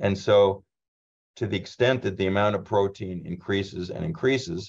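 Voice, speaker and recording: A man's very deep, low voice at a moderate pace, ordinary pitch variation, and a quiet background. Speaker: kidney doctor. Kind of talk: lecture and Q&A. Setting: video call.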